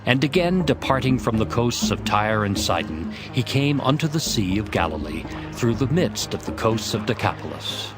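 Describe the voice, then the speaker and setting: Lowish, animated male scripture narrator. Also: moderate pace, hardly any pauses. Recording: music under the voice.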